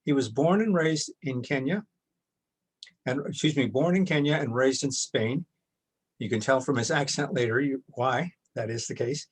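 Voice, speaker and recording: Husky man moderating a video call. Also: medium pitch. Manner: measured and formal, reads introductions with occasional restarts. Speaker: workshop moderator. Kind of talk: formal welcome and introductions on a video call.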